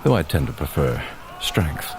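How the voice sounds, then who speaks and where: Very deep-voiced flirty warrior. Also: male voice, sing-song, a little slow, background noise, exaggerated voice. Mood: flirtatious. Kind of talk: audio drama acting.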